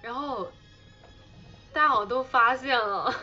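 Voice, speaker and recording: A woman's voice: a little high, a little slow, bright, forceful tone, highs cut off, soft background music. A young woman hosting a casual livestream, rambling with many fillers, thanking viewers for gifts and breaking into giggles as she tells a story. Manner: bursts into giggles while retelling. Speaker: idol livestream host. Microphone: phone livestream.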